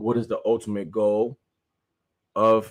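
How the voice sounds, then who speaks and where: In a very clean recording with a silent background, a man with an American accent uses an ordinary speaking voice at medium pitch and a moderate pace. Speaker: motivational speaker and livestream host. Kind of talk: livestream commentary.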